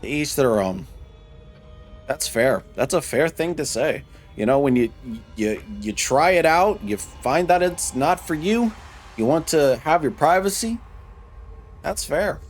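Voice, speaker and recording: A man's voice: on the high side, expressive, measured pace, faint music behind. A man in his thirties, a streamer from Michigan, chatting casually with viewers while gaming, rambling and restarting his sentences. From Michigan, United States. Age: 30s. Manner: rambling, restarts often, reads and answers chat.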